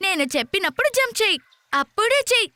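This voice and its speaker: A woman's voice: extremely high pitch, very animated, fast talker, bright, forceful tone, exaggerated voice. A woman voicing an eager, encouraging young child in a children's cartoon, speaking in simple exclamations. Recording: children's music behind the voice.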